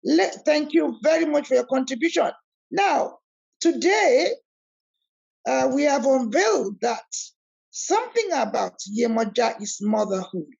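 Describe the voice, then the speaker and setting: A woman's voice: high voice, sing-song, a little slow, gravelly, a little mellow, husky, muffled recording. A woman hosting an online spiritual talk, emphatic and preacherly, repeating key words over a video call. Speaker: host of an online spiritual discussion. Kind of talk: animated talk, switching between English and Yoruba.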